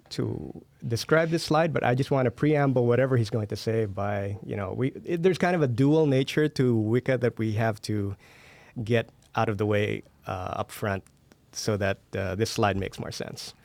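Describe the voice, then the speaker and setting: A man's voice: medium pitch, normal speed, creaky, a little mellow, no room sound. A man from the Philippines speaking as an interview guest, explaining his work conversationally. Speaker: interview guest, audio studio owner.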